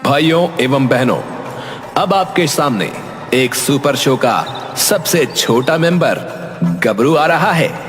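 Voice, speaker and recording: A man's voice: mid-range voice, lively intonation, takes it slowly, in a large hall. A man voicing a showy stage magician in a cartoon, delivering sing-song showman patter. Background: background music.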